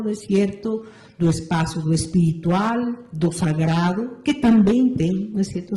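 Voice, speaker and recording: Interview guest: Argentine woman in her sixties, Spanish-accented, mellow and unhurried, in a roomy space. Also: on the low side. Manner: measured, thoughtful, frequent "não é certo" tag. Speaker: interview guest, meditation teacher. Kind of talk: reflective interview answers. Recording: roomy echo.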